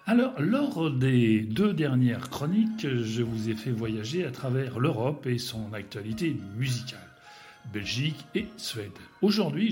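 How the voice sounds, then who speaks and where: A man's voice: mid-range voice, darkish tone. A man with a Spanish accent giving a casual radio music chronicle in a playful, rambling way, hesitating often.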